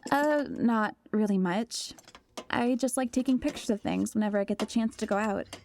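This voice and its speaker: A woman's voice: medium pitch, moderate pace, darkish tone, a little hiss or hum, natural voice. An actress playing a shy, hesitant teenage girl in an audio drama. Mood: shy, polite.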